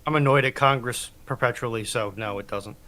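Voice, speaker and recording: A man with a bright, forward voice at an ordinary male pitch. He chats casually as a livestream panelist, with a dry, wry way of commenting. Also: a little fast. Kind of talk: casual chat.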